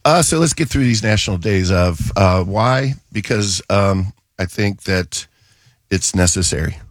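A man's voice: sits low, animated, a little slow, no room sound, studio quality. A man hosting a casual radio garden show while he has a cold, chatty and a little wry. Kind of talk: casual talk radio chat. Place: radio studio.

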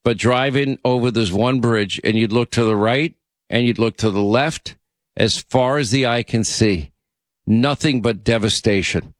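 A man's voice: medium pitch, a little slow, no room sound, clean studio sound. A man hosting a call-in radio show, talking in a chatty, rambling way. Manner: chatty, rambling, self-interrupting. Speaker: radio talk show host. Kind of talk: casual call-in radio chat.

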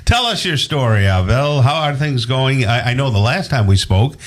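A man's voice: medium pitch, big pitch swings, normal speed. A male co-host interviewing a guest, often affirming and interjecting. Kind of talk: interview conversation.

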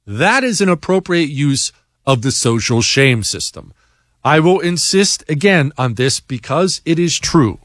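A man's voice: a little high, animated, measured pace, fairly bright tone, no room sound. A man hosting a talk show, answering listener emails in a blunt, emphatic, combative monologue. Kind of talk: opinionated talk radio monologue.

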